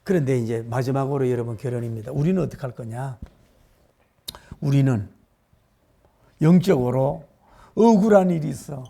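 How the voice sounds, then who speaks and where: A man's voice: medium pitch, normal speed, creaky, long pauses, dark tone. A middle-aged male pastor preaching a sermon, emphatic and full of rhetorical questions to his congregation.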